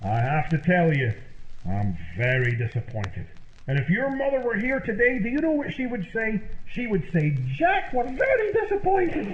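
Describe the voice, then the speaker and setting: A man plays a dim but earnest comic sidekick. His high voice swoops about with melodrama, in old-time radio comedy style. The recording is echoey and a little dull. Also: a little hiss or hum, full character voice.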